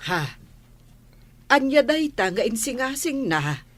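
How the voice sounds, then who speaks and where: Gentle, concerned, expressive mother. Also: sits high, slow, exaggerated voice. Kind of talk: Ilocano radio drama acting.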